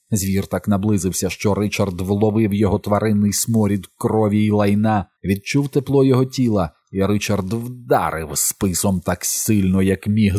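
A male audiobook narrator reading a novel in a steady, measured way. His voice is very low and mellow. It has a husky, slightly breathy grain. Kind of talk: scripted narration.

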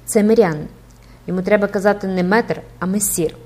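A woman voicing a bold, festively dressed young girl with a lively, chiding manner. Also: mid-range voice, a little fast, natural voice.

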